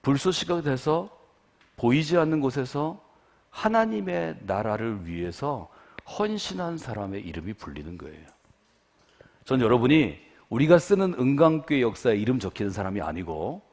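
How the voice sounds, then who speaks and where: A middle-aged man preaching at a revival meeting, his pitch rising and falling through a wide, animated range. He moves between quiet, low asides and loud, fervent exhortation. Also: moderate pace. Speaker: guest pastor. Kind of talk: revival sermon.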